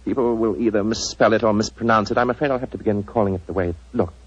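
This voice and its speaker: A man's voice: lowish voice, very fast, slightly rough. An actor playing a suave, mocking male master criminal in a 1940s radio drama, with silky, polite menace. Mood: smug. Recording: dull old radio recording.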